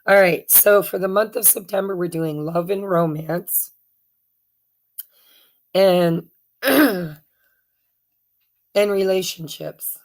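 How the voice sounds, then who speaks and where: A woman with a rough, hoarse voice talks her way through a tarot reading. She speaks slowly in a lowish, gravelly tone. Her delivery is chatty and meandering, full of fillers and self-corrections. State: hoarse from allergies. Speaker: tarot reader. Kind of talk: casual tarot card reading.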